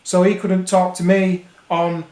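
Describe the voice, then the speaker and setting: A man's voice: high voice, little pitch movement, unhurried, a little mellow. A British man talking casually to viewers, explaining things as a radio hobby vlogger. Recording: roomy, echoing indoor sound.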